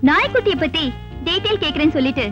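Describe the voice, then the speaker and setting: A woman's voice: extremely high pitch, expressive, racing, fairly bright tone, dull audio, soft background music. An actress playing a snobbish young woman who shows off her modern, westernized ways with an affected manner. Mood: coy. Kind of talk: film comedy dialogue.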